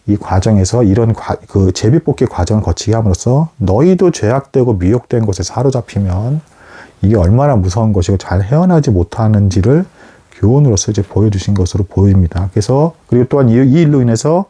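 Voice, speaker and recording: A man's voice: mid-range voice, warm tone, slightly rough. A man giving a casual Bible teaching talk, speaking conversationally with many fillers and rhetorical questions.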